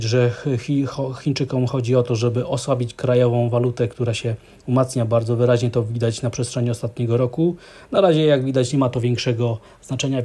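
A man giving measured market commentary over charts as an analyst, with frequent hesitations. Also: mid-range voice, mellow.

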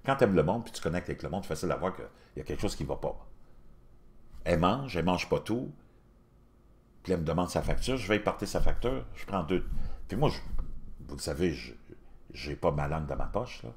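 A man's voice: sits low, expressive, a little fast, long pauses. A middle-aged man with a Quebec French accent, talking casually to his viewers in a blunt, crude, colloquial and philosophizing way. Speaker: YouTube channel host.

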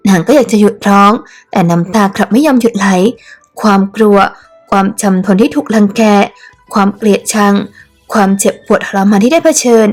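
A woman narrating an audio novel in a calm, even reading voice. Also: medium pitch. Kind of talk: scripted narration.

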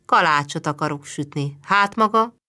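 A woman reading the lines of a shy, sorrowful young housemaid, soft and hesitant. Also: deep voice.

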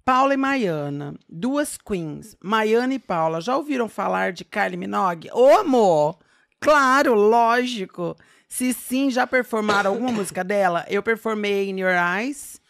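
Gravelly-voiced woman podcast host. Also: medium pitch, expressive, moderate pace, hardly any pauses, fairly bright tone. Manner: chatty, reads comments aloud and adds asides. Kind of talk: interview hosting, reading viewer comments.

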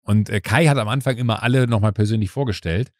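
A man's voice: fairly low pitch, fast talker, no echo, studio quality. A man hosting a podcast, telling a long anecdote in casual chat and acting out the voices of the people in it. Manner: animated storyteller acting out quoted voices. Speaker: podcast host.

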